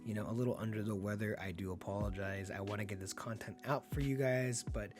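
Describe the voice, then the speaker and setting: A man getting over being sick, with a slightly hoarse voice, giving upbeat, laid-back play-by-play commentary on a card game and laughing often. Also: on the low side, fairly even intonation, fast talker, over music.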